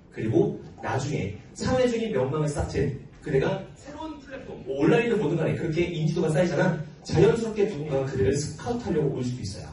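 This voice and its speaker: Animated man teacher in an echoey classroom. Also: fairly high pitch. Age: early forties. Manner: playful, joking, earnest, often laughing. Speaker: history teacher at a cram school. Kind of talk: informal question-and-answer with students. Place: large classroom with students. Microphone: handheld microphone, filmed by tripod camera at back. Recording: roomy classroom, distant mic, noisy.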